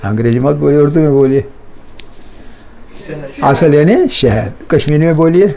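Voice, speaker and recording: A man teaches a language class. His voice sits a little high, and he repeats each word slowly, then asks students to say it back and corrects them. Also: creaky, dark tone. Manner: drills words by slow repetition. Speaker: Persian teacher.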